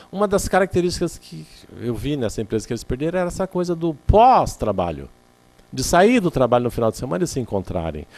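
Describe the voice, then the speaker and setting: Very fast speech from a man with a fairly high pitch and very wide pitch swings. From Brazil, interior of São Paulo state (Presidente Prudente). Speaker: labor lawyer and lecturer. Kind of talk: lecture.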